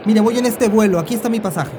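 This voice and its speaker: A woman's voice: mid-range voice, fast, background noise, close to an everyday voice. A woman playing an indignant airline passenger, protesting in exclamations in an acted public-service spot. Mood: hurried. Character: indignant airline passenger demanding her rights.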